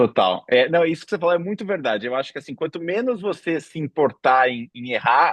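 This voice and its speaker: Talking at a fairly quick pace with hardly any pauses, a man with a fairly high pitch swings his pitch very widely. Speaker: panel moderator, advertising creative. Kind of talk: panel discussion.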